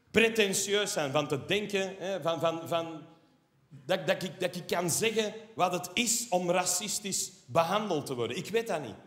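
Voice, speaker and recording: A Flemish man doing stand-up comedy, ranting and sarcastic, tagging his lines with a questioning "hè". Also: high-pitched. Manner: ranting, animated, sarcastic asides with tag "hè". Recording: roomy hall reverb from a live stage.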